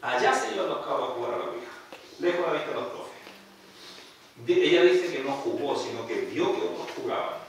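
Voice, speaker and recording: A man, a priest, telling a story in a sermon at a retreat, animated and acting out what people said. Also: medium pitch, a little fast, slight background noise. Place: retreat hall. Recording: echoey room, far from mic.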